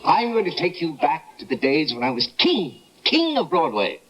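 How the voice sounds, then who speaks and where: A man's voice: fairly high pitch, wildly swooping pitch, moderate pace, crowd noise, poor audio. A man playing a grandiose, self-satisfied showman in a 1970s TV variety sketch. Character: pompous boastful male showman impresario.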